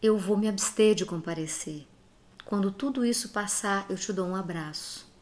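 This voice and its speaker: A woman's voice: medium pitch, moderate pace, darkish tone. A woman from Brazil who has a cold, giving an earnest, emphatic talk straight to her listeners and urging them to act. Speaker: speaker giving reflections to followers. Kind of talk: direct-address motivational talk.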